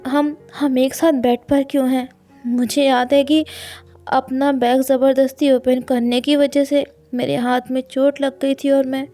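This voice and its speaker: A woman's voice: a little high, fairly even intonation, takes it slowly, a little mellow, faint music behind. A woman voicing a flustered, frightened young man who stammers and repeats his words, reading a storybook scene. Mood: shaken.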